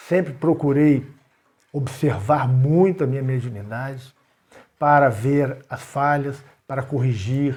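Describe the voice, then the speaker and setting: Somewhat breathy, the voice proceeds at a fairly slow tempo. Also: man. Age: 60s. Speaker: spiritist medium and program presenter. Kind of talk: devotional reflection monologue. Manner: informal, conversational.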